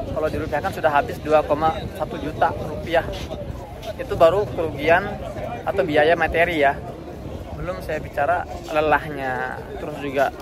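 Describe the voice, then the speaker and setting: A tired man from Indonesia chatting earnestly in a casual vlog, reporting from a border crossing. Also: on the high side. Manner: chatty and earnest, with soft laughs. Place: outdoors at a crowded border crossing, then a cafe. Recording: crowd noise behind. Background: crowd chatter.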